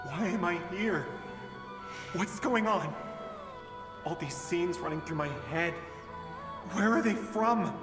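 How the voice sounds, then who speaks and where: Anguished, high-voiced father in echoing space. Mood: bewildered. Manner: halting, emotional, faltering. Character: anguished father searching for his lost daughter. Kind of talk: video game voice acting. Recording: roomy long reverb, music behind.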